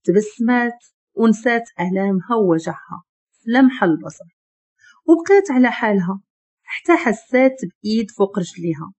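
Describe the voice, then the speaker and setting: A woman with a Moroccan Arabic accent narrating a romance story in a steady, even storytelling voice. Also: fairly high pitch, brisk, slightly rough.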